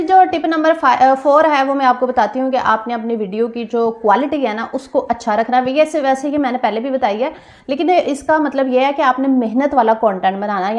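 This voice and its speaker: A woman vlogger with a slightly hoarse throat, chatting casually to viewers in a small store room and repeating her points. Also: fairly high pitch. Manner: chatty, repeats phrases, addresses viewers directly. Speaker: vlogger giving channel tips. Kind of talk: casual vlog talk.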